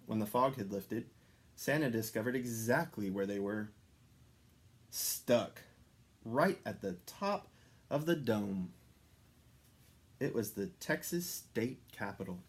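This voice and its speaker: A man reading a children's story aloud expressively, with dramatic pauses and stressed descriptive words. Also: fairly low pitch, slightly rough. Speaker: story reader.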